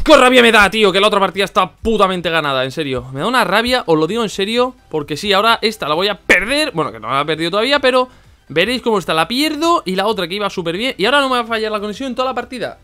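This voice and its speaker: A young man narrates his mobile game for his viewers, animated and quick to vent his frustration. His voice is high, bright and smooth, and it swings all over his range. Faint game music plays behind him. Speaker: gaming YouTuber. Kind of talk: excited game commentary.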